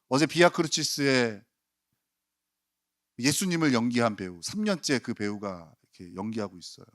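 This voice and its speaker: A male pastor delivering a Sunday sermon, animated, often acting out quoted voices. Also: fairly high pitch. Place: church sanctuary.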